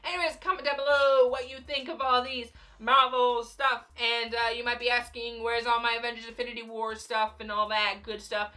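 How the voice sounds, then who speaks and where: A young woman vlogging casually about films, rambling with many fillers and a voice going a little hoarse. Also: a little high, normal speed, few pauses. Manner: rambling, animated fangirl talk with frequent fillers and laughs. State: losing her voice, slightly hoarse. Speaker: YouTuber. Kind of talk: casual vlog commentary.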